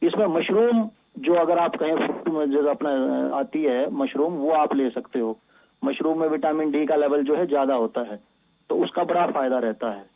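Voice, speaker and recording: High-pitched male doctor, thin phone-like sound. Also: normal speed. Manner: patient, instructive, mixes English medical terms into speech. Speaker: doctor, physiotherapy expert guest. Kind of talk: explanatory medical advice on a live call-in show. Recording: thin phone-like band-limited line.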